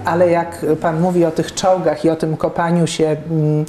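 A woman in her fifties with a low, dark and even voice speaks in an echoey office. She interviews a guest, pausing often with fillers and restarting her sentences. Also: slight background noise. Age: 50s. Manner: hesitant, many fillers and restarts. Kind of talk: conversational interview. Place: office room with plants and bookshelves.

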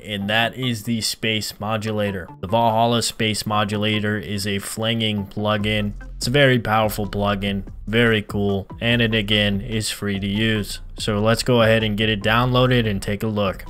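A man narrating a software tutorial as host, explaining step by step and addressing viewers directly. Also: on the low side. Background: background music.

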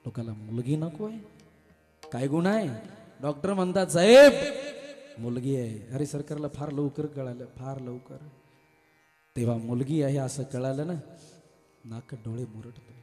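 A male kirtan preacher, delivering an impassioned devotional sermon that moves between soft speech and loud chanting. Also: mid-range voice, moderate pace, pauses often. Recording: echoey hall with music.

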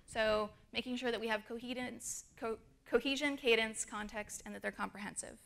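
A woman's voice: on the high side, fairly even intonation, normal speed, creaky, fairly bright tone. A woman speaker at a design conference, explaining her points with fillers and demonstrating intonation. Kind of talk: conference talk. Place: conference stage.

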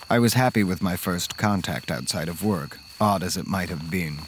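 Low-voiced actor as polite horror narrator. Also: male voice, normal speed, a little hiss or hum, lightly acted. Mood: reflective. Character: polite, fussy male accountant narrating a horror tale. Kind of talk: scripted first-person horror narration.

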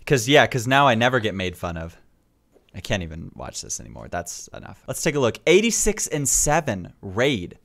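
A young man in his twenties, a gaming YouTuber, commenting on his old videos with animated, self-mocking asides into a headset mic at home. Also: on the low side, normal speed, gravelly. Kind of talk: reaction commentary. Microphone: headset with boom mic.

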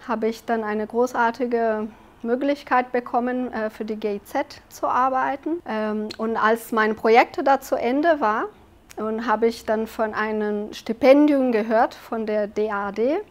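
A woman from Brazil in her forties with a Brazilian Portuguese accent, answering interview questions thoughtfully in an office, pausing often with fillers on a lapel mic. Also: fairly high pitch. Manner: thoughtful, with frequent hesitation fillers. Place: office with large windows.

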